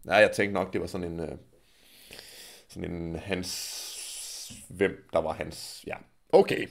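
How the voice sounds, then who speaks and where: A man's voice: sits low, steady tone, gravelly. A man reading jokes aloud from a page, stumbling over words and adding wry asides of his own. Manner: stumbling reader, wry comments. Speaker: video creator.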